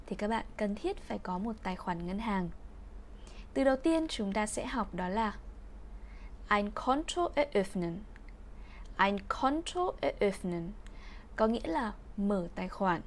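Slow, clear woman teaching vocabulary. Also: fairly high pitch, slight background noise. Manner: reads example sentences slowly and repeats them. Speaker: language teacher. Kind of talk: bilingual vocabulary lesson.

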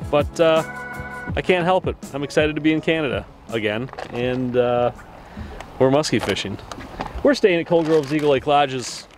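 A man hosting his fishing channel, talking casually and cheerfully to the camera from a boat on a lake, with plenty of ums and uhs. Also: a little high. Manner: upbeat, joking, with frequent fillers. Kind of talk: casual vlog talk to camera.

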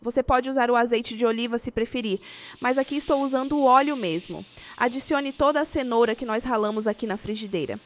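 A woman's voice: fairly high pitch, fairly quick, a little hiss or hum. A woman with a Brazilian Portuguese accent, reading a scripted recipe voice-over as host.

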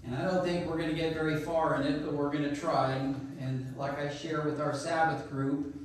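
Man, church speaker, folksy and loud, a bit high-pitched, recorded from a distance in a very echoey hall. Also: level tone, normal speed, a little hiss or hum. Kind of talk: informal sermon talk. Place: church sanctuary.

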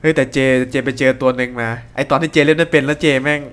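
Chatty excitable young man commentating a game. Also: fairly high pitch, fast, clean tone. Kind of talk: casual gameplay commentary. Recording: faint background noise.

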